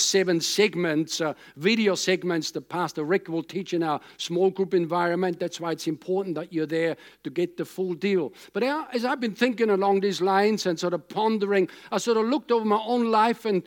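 A man's voice: sits high, moderate pace, hardly any pauses. A man in his sixties from Austria, a German speaker, preaching a sermon in a conversational, rambling way with emphatic repetition. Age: 60s. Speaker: pastor.

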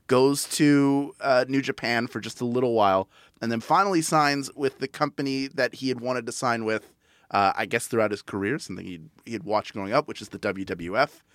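A man's voice: medium pitch, moderate pace, a bit bright, no room sound, clean studio sound. A man hosting a podcast, talking casually as he recounts history and puts questions to a panel. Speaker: podcast host.

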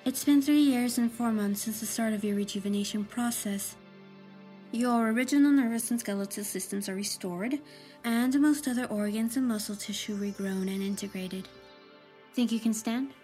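A woman playing a calm, reassuring clinician in a sci-fi audio drama, gentle and methodical. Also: a little high, normal speed, soft background music, close to an everyday voice. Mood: calm reassurance.

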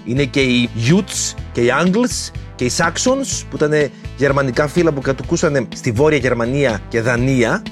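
A man's voice: mid-range voice, lively intonation, hardly any pauses, soft background music. A man hosting a history video, explaining legends in a playful, slangy way full of jokey asides.

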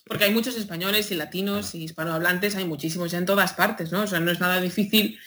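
A woman from Spain with a Madrid accent, a guest chatting in an interview and telling stories with lively emphasis and frequent laughter. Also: fairly low pitch, quick pace, slight background noise. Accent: Spanish, Madrid. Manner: animated storytelling, laughs often, emphatic. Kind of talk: casual interview chat.

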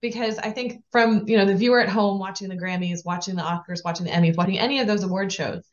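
Woman podcast host, mid pitch, affirming, slightly dull recording. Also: fairly even intonation, fast. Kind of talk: conversational interview.

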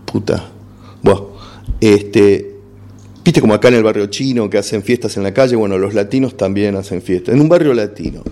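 A middle-aged man with an Argentine accent speaks in a mellow, darkish voice. He tells his story frankly and keeps circling back over words while hunting for the right one. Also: lowish voice, normal speed. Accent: Argentine Spanish. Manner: frank, repeats words and restarts while searching for words. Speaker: stand-up comedian guest. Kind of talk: casual interview chat.

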